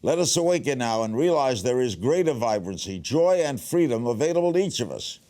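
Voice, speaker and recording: Guy with a really animated voice reading an earnest motivational speech, mid pitch. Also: brisk. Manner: earnest, exhorting.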